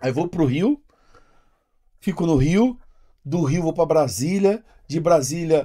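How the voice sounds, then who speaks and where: In a quiet background, a man with a dark, mellow tone talks at a very slow pace with ordinary pitch variation and long, frequent pauses. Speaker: former footballer and football coach; podcast guest. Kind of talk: casual chat. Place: studio. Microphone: studio mic.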